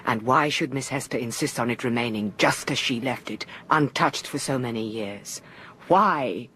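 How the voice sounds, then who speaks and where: A woman's voice: extremely low pitch, moderate pace, a bit bright, a little hiss or hum. An actress playing a genteel, lonely and insistent lady of the house in a radio horror play, with a hesitant, theatrical manner. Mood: shaken, insistent.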